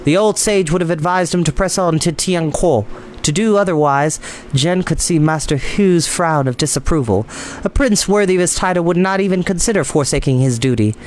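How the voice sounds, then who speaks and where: A man reading a story aloud as host, with expressive narration. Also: fairly high pitch, moderate pace, slight background noise.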